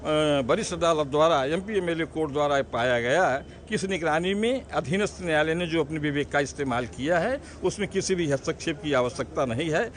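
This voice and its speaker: A man's voice: fairly high pitch, a little fast, hardly any pauses. Man formally explaining a ruling, street noise. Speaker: lawyer. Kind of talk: statement to press.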